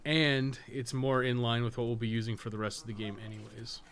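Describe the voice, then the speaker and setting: A game streamer who also co-hosts a podcast offers casual, unscripted commentary while playing, rambling, thinking out loud and swearing often. His voice sits at a medium pitch with fairly even intonation and a brisk, fairly bright tone. The background is clearly noisy.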